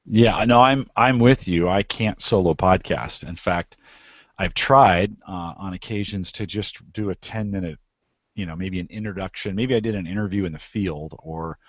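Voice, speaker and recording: A man's voice: deep voice, moderate pace, dry recording. A man who podcasts, talking conversationally as an interview guest and explaining things with repeated phrases for emphasis. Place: live video call. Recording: dull lo-fi online call audio.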